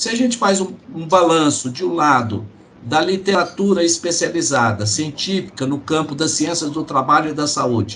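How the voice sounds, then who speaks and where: A man at a fairly high pitch and moderate pace, with audible room echo and noticeable background noise. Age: 60s. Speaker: lecturer on workplace quality of life. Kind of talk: lecture. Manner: hesitant, with many fillers.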